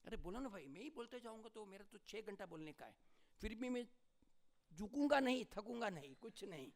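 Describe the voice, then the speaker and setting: A middle-aged man giving a lively seminar talk in Hindi mixed with English, prodding the audience for answers. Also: very high voice. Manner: animated, prods the audience for answers. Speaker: lecturer.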